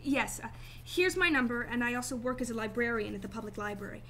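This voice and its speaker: A woman playing a guarded, emotionally detached client in a radio drama, speaking formally and deliberately. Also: a little high, expressive, fairly bright tone, a little hiss or hum. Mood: matter-of-fact. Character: cool, detached female client, guarded murder victim's sister.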